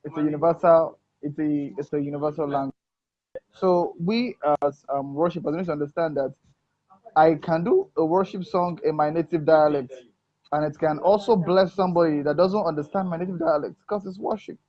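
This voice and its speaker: A man from Africa, a gospel singer, talking in a casual interview with an earnest, preacherly manner, often pausing on "um" and "you know". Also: a little high. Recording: muffled dull sound, dry.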